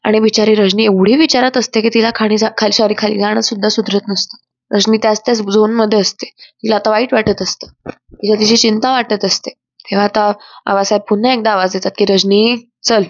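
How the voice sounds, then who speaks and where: A woman's voice: medium pitch, fairly even intonation, fairly quick, no echo. A woman narrating a dramatic serial episode recap in an emphatic voice-over. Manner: emphatic storytelling. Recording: dull, dry voice-over.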